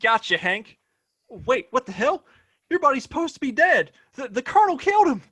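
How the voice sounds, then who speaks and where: A man playing an excitable, dim young lawman's son in a Western audio play. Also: very high voice, moderate pace, slightly rough, full character voice. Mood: gloating, confused. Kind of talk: Western audio drama acting.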